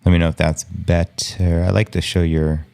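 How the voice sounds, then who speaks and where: Very deep, hushed male stream host. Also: level tone, moderate pace, vocal fry. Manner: hushed and low-key, chuckling often. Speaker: livestream host. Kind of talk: casual live market commentary.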